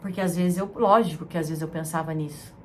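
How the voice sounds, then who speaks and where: A woman from Brazil hosting a self-help talk, speaking in a soft, soothing, emotive way that repeats words. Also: fairly low pitch, steady tone, brisk, slight background noise. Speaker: self-help channel host. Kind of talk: gentle motivational talk.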